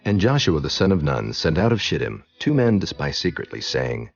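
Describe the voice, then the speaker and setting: Very deep, expressive male scripture narrator. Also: moderate pace, creaky. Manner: solemn, formal. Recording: dull, muffled audio. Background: faint music.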